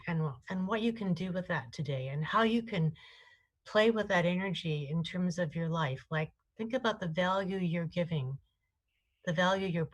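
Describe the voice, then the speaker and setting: A woman's voice: on the low side, rough recording. A woman who co-hosts a wellness show, giving astrology readings to callers in a chatty, affectionate way with frequent restarts. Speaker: astrologer and co-host. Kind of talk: live call-in readings.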